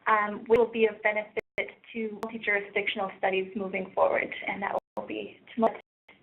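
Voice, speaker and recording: A soft-spoken woman presenting a webinar from a meeting room, with frequent ums and uhs. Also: medium pitch, flat delivery, brisk, vocal fry. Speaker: research practice lead presenting. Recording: tinny phone-like webinar audio.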